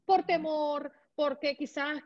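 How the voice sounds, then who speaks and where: A woman interviewer with a high voice asks her questions in fluent, measured sentences. The recording sounds slightly dull and muffled. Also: steady tone.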